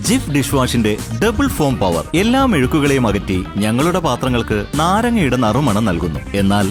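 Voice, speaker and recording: A man delivers scripted advertising narration at a medium pitch. His intonation moves a lot, and music plays clearly behind him. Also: huge pitch swings, normal speed. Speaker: voice-over artist.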